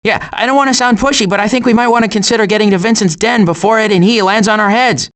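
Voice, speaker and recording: An actor voicing a cautious, worrying turtle in an animated video game, with a dry, hesitant and wry delivery. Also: male voice, high voice, fast talker. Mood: anxious, hesitant. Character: cautious, worrying male cartoon turtle, dryly sarcastic.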